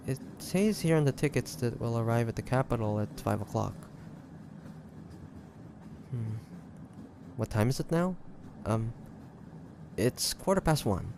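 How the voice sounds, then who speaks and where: A man playing an earnest, guilt-ridden demon hunter in an audio roleplay, speaking gently and haltingly to the listener. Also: medium pitch, lively intonation, a little hiss or hum. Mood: relaxed, tentative. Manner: hesitant, halting, soft-hearted delivery with pauses. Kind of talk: dramatic audio roleplay acting addressed to the listener.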